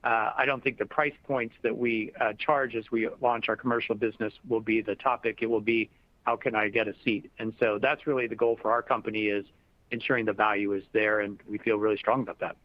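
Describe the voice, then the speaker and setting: A man speaking as a company executive, answering questions in a measured, diplomatic and explanatory way in a semi-formal business style. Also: on the low side, little pitch movement, no echo. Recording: dull lo-fi conference call audio.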